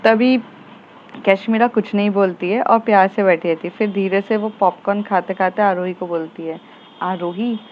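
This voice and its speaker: A woman's voice: mid-range voice, fairly even intonation, moderate pace, dull audio, a little hiss or hum. A woman casually narrating a romance story with chatty fillers.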